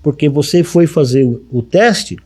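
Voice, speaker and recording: Speaking a little slowly in a husky, fairly high voice, a middle-aged man with a Brazilian Portuguese accent spins stories during an interview. This radio announcer performs the dialogue himself, keeps the anecdotes lively and leans on tag questions.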